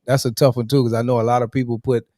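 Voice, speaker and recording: Male talk-show host, mid pitch, casual and noncommittal, dry mic. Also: flat delivery, rapid-fire, mellow, no room sound. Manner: easygoing, hedging, brief agreeing replies.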